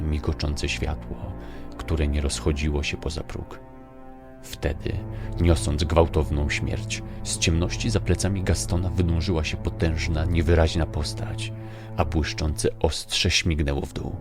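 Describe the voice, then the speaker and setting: Very deep, gravelly male narrator. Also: flat delivery, a little slow, over music. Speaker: audiobook narrator. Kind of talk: scripted dramatic story narration.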